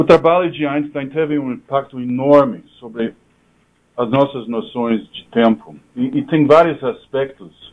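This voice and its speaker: A man's medium-pitched voice at a fairly slow pace, with very wide swings in pitch. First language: not Portuguese (speaking Portuguese). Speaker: physics and philosophy professor. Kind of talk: lecture.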